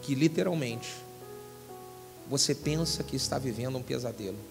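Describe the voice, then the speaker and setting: A man, a pastor with a Brazilian Portuguese accent, preaching a fervent sermon that swells into shouts. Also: mid-range voice, moderate pace, creaky, music in the background. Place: large church hall. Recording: church hall with long reverb.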